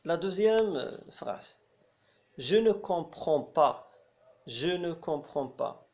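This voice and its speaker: A man teaching a language lesson, explaining slowly and repeating each phrase with some hesitation. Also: a little high, lively intonation, darkish tone. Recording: dull lo-fi sound.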